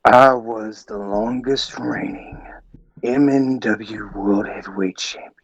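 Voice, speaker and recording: A man doing a gravelly, whispering vengeful wrestler. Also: fairly low pitch, steady tone, heavily acted. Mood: menacing. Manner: slow, threatening delivery. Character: vengeful male wrestler, menacing and cold. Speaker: caller. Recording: dull lo-fi phone line.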